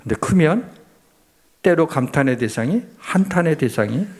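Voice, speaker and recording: A man pastor preaching a sermon in a conversational, animated way, acting out the voices he quotes. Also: fairly high pitch, normal speed, slight background noise.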